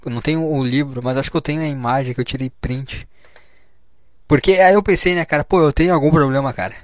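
A man's voice: mid-range voice, steady tone, quick pace, no room sound. A young adult man with a Brazilian Portuguese accent, talking casually and bluntly in a monologue, swearing often and reading passages aloud before commenting on them. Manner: blunt, swears often, says "cara" a lot; reads aloud from a book then comments. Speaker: vlogger.

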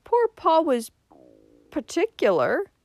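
A woman's voice: sits high, wildly swooping pitch, moderate pace, a bit bright, no room sound, voice pushed up, full character voice. Woman playing a sobbing, put-upon older mother. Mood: wounded. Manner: sobbing, moaning, plaintive.

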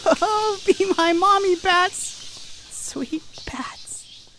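A woman's voice: pushed and bright, a little hiss or hum, exaggerated voice. A woman voicing a frail, lonely, eager little boy with a shrieky, plaintive way of pleading, in an improvised roleplay audio drama. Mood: adoring. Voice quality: high-pitched, shrieky. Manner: plaintive, drawn-out, repeating pleas.

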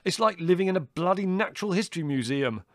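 A man's voice: high-pitched, animated, quick pace, no room sound, clean studio sound, voice pushed up. A man voicing an outraged, pompous young Englishman in a storybook, bellowing with theatrical indignation.

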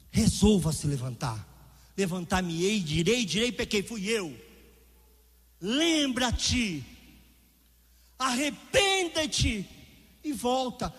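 A man's voice: sits high, husky, long reverb tail. A male pastor preaching a sermon with vehement, emphatic delivery.

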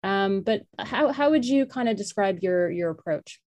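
A woman's voice: mid-range voice, expressive, moderate pace, darkish tone. A woman hosting a podcast interview, asking long, winding questions full of fillers and restarts.

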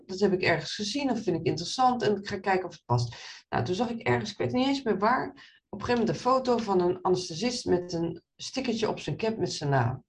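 A middle-aged woman surgeon and professor, answering interview questions in an animated, storytelling way with many restarts. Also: lowish voice. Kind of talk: interview in front of an audience.

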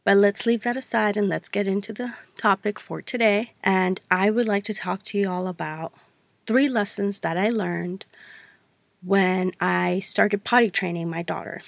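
Chatty woman with a gravelly, dry voice. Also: mid-range voice, fairly even intonation, moderate pace, no echo. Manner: chatty, rambling, self-correcting with many fillers. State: stuffy-voiced from allergies. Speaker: podcast host. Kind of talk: casual solo podcast talk.

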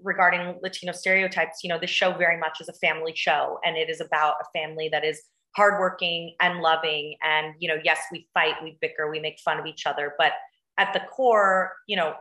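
A woman with a lowish but bright, sharp voice speaks as an interview guest. She talks in a thoughtful, measured way. The recording sounds echoey, as if made in a bare room. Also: steady tone. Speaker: cast member guest. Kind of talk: casual interview chat.

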